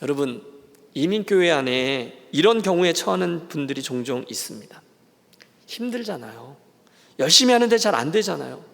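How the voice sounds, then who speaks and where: A man preaching a Sunday sermon as a senior pastor, his voice pitched high for a man. He slips into short acted voices of the people in the story. The long reverb of a church sanctuary trails after each phrase. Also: moderate pace, vocal fry. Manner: animated, acts out voices of townspeople and Naomi.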